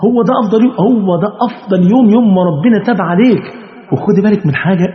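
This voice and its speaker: A man's voice: high voice, reverberant, long reverb tail, dull audio. A man preaching in Egyptian Arabic, talking earnestly and directly to a woman listener and peppering his sermon with rhetorical questions. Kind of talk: sermon addressed to a repentant woman.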